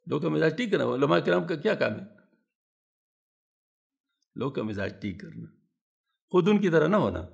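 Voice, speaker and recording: A man preaching a sermon in a mosque, speaking calmly and unhurriedly into a microphone without shouting. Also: on the high side, vocal fry. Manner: calm, unhurried, deliberately not shouting. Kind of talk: Islamic sermon. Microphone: loudspeaker microphone.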